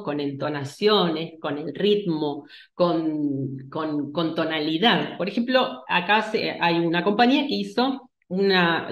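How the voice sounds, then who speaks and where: A woman's voice: lowish voice, echoey room, muffled recording. A woman giving a lecture, talking hesitantly with restarts and checking in with her listeners. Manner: hesitant, many restarts and fillers, asks "¿sí?". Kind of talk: online lecture.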